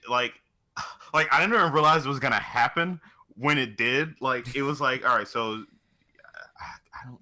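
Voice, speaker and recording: A man's voice: medium pitch, pushed and bright. A man co-hosting a podcast, talking casually in a profane, joking style. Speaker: podcast co-host.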